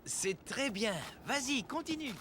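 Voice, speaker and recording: A man's voice: extremely high pitch, lively intonation, unhurried, heavy background noise. A man playing a supportive, patient young father in a children's cartoon. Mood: encouraging. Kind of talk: French-language children's cartoon dialogue.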